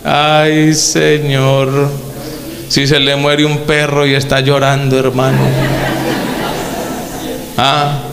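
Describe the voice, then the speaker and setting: A man preaching a Pentecostal sermon, emphatic and drawn-out, throwing rhetorical questions at the congregation. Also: medium pitch, completely flat delivery, roomy sound, big-room sound, crowd noise, low-quality recording. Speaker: pastor.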